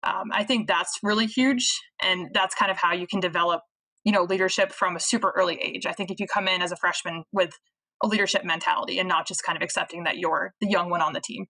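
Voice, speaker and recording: A young woman who coaches volleyball, chatting casually on a podcast, full of "like" and quick asides. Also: lowish voice, steady tone, pushed and bright, poor audio. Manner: chatty, many "like" fillers, acts out quotes.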